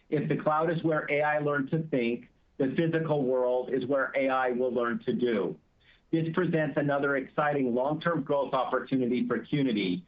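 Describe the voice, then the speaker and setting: Male executive, mid-pitched, measured scripted delivery of earnings remarks, muffled conference-call sound. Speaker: company chief executive. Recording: dull, band-limited conference call audio.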